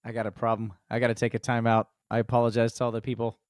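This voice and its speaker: A man's voice: mid-range voice, completely flat delivery, very fast, no room sound, clean studio sound. A man hosting a comedy podcast, reading notes, swearing and joking with friends. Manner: profane, joking, laughing often. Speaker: podcast host leading the episode.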